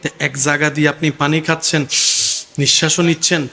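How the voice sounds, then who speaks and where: A man preaching an Islamic waz sermon to a gathering, shouting at high peaks, dropping low for quoted verses, and leading the crowd in call-and-response. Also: level tone, a little fast.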